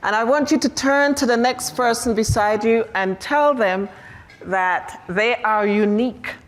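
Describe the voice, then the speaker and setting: A woman speaker greeting a conference audience in a warm, playful way. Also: on the high side, measured pace. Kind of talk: addressing an audience.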